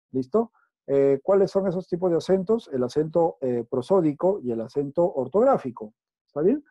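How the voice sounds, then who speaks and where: A man's voice: on the high side, dark tone, no echo. A male teacher with a Peruvian accent, giving a recorded class and explaining step by step, often checking that students follow. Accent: Peruvian Spanish. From Peru. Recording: dull lo-fi recording.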